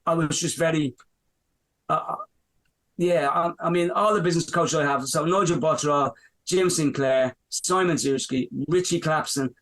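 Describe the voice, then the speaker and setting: A man's voice: a little high, fairly bright tone, low-quality recording. A man in his fifties from Dublin with an Irish accent, a business owner answering interview questions in a rambling way, with many fillers and restarts. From Ireland. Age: 50s. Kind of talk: podcast interview.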